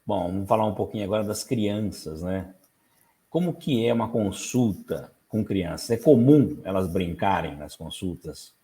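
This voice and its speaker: A man's voice: fairly low pitch, moderate pace, mellow. Brazilian man hosting an interview. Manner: affirming, short reactions and questions. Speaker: interview host. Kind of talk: casual interview.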